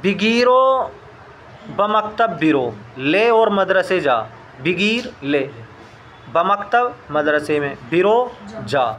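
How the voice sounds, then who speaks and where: A man's voice: sits high, animated, takes it slowly, fairly bright tone, a little hiss or hum. A man teaching a language lesson, saying each phrase, repeating it, and translating it word by word in a patient, methodical way.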